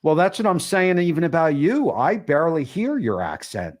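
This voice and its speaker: Halting New Jersey man hosting a chat. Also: fairly high pitch, big pitch swings, a little mellow. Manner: halting, restarts often, reads viewer comments aloud. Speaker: livestream host. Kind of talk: casual livestream chat.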